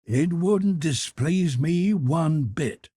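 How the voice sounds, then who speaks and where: Guy doing a excitable blunt whaler for an audiobook, real raspy, pitch all over, itching to hunt. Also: extremely slow, no echo, studio quality, exaggerated voice. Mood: eager. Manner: exclamatory, trembling with eagerness.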